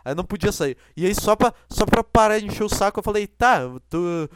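A man's voice: high-pitched, quick pace, noisy background. A young man hosting a podcast, telling a rambling, self-deprecating story with many restarts into a close mic. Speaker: podcast host. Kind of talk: casual monologue.

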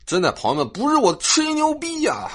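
A young man, hosting a comic storytelling monologue with a sing-song delivery and drawn-out particles. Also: extremely high pitch, wildly swooping pitch, fairly bright tone, slightly rough. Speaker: host.

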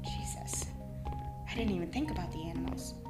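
A woman voicing a blunt, deadpan woman lost in dark hallways in an audio drama. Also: fairly low pitch, brisk, close to an everyday voice. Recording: echoey room with music behind.

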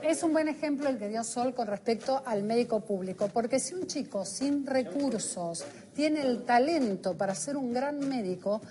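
High-voiced Argentine woman making a point. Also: moderate pace, hardly any pauses, warm tone. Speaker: panelist. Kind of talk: TV panel discussion.

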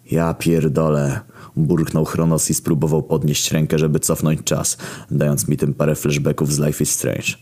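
Male storyteller, extremely low register, dry and sardonic delivery. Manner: deadpan, heavy swearing, wry asides. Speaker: narrator. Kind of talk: first-person story narration, crude and sarcastic.

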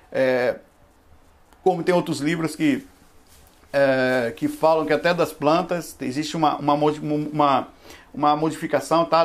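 A man in his forties with a fairly high voice talks to his livestream audience about spiritual matters. He rambles conversationally and keeps dropping in asides, heard through a camera microphone. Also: creaky. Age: 40s. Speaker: spiritualist lecturer. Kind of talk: casual livestream talk.

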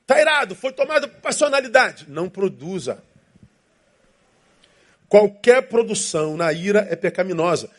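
In a high voice, a pastor preaches, leaning on forceful repetition and dramatizing inner voices to get his message across.

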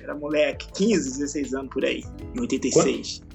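A man's voice: medium pitch, creaky. A man from the Rio de Janeiro area, close to fifty, speaks with a local Brazilian accent. He tells stories as a podcast guest in a loose, chatty way, drawing out his words and laughing often. Faint music plays under his voice. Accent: Rio de Janeiro Brazilian Portuguese. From Araruama, Rio de Janeiro state, Brazil. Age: 40s. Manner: relaxed, laughs often, drawn-out slang-filled storytelling. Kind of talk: casual storytelling interview.

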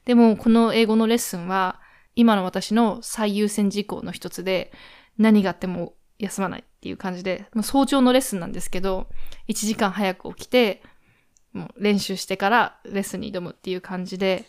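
A woman from Japan hosting her own podcast, chatting casually and warmly with frequent fillers. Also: medium pitch, fairly even intonation, fairly quick, smooth. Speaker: podcast host. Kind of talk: casual solo podcast chat.

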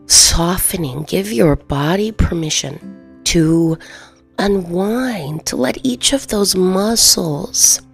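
Woman doing guided meditation, soft and breathy almost whispery, super slow w long pauses, bit of vocal fry, music behind. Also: on the low side. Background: soft background music.

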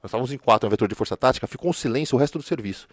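Fast-talking São ex-cop. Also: male voice, mid-range voice, no echo, studio quality. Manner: storytelling, slangy, repeats filler words. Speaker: former police officer. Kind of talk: casual podcast conversation.

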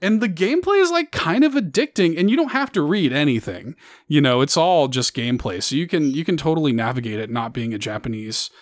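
A man's voice: fairly high pitch, expressive, a little fast, no room sound, clean studio sound. A man hosting a podcast, chatting casually and rambling with lots of fillers. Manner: rambling, many fillers, upbeat. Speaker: podcast host.

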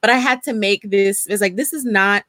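A woman in her thirties talking candidly in a casual conversation, animated and laughing often. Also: mid-range voice, moderate pace, dry recording. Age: 30s.

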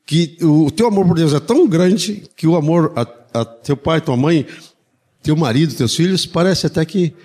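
A man's voice: fairly high pitch, normal speed, a little mellow, husky. A man, preaching an informal sermon in a conversational way, full of tag questions and humorous asides.

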